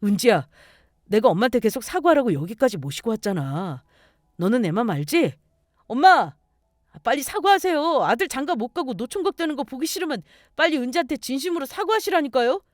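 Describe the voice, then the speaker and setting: A woman's voice: mid-range voice, animated, a little fast, a little mellow, no room sound, clean studio sound, close to an everyday voice. Woman voicing a greedy whining young fiancé. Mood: pleading.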